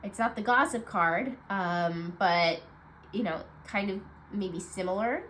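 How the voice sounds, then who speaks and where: A woman with a stuffed-up, nasal voice giving a casual weekly card reading, low on energy and rambling with many fillers. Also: slow, fairly bright tone, slight background noise. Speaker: tarot card reader.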